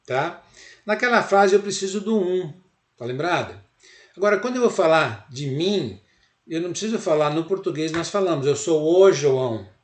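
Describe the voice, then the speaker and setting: A man's voice: on the high side, roomy sound. A man from Brazil teaching an online English lesson, explaining patiently step by step and often checking in with his students.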